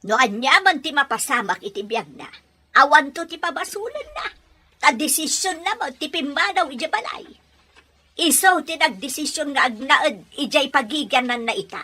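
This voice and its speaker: Woman playing stern nagging mother, Filipino Ilocano accent, husky, sharp and bright, animated, radio drama. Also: high voice, normal speed. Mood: scornful. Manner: nagging, exasperated. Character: stern, resentful, scornful mother.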